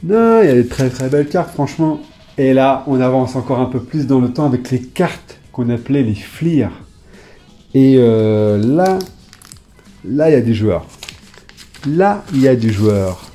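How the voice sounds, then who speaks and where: A man casually chatting to his viewers while flipping through old trading cards, hesitant at times and bursting into sudden excited exclamations. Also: mid-range voice, measured pace, soft background music. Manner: hesitant, many fillers while reading names. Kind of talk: casual off-the-cuff commentary.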